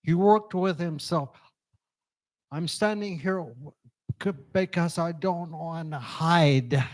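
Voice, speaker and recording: Halting man searching for words. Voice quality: low voice. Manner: slow, halting, searches for words after strokes. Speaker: congregation member sharing a story. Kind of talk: halting personal testimony. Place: church hall. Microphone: handheld microphone.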